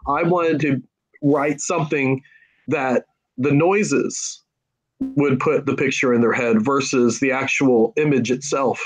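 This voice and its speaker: A man's voice: mid-range voice, fairly even intonation, takes it slowly, low-quality recording. A man who wrote the story, explaining his approach earnestly. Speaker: story author. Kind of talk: casual chat on a video call.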